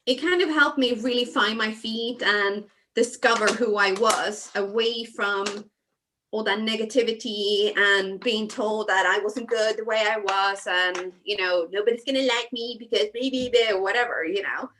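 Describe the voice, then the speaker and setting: Brief: chatty Swedish-born woman, bright forward tone, video-call guest. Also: mid-range voice, measured pace, slight background noise, low-quality recording. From Sweden. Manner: warm, chatty, many fillers and soft trailing asides. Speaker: guest designer. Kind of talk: casual chat while crafting.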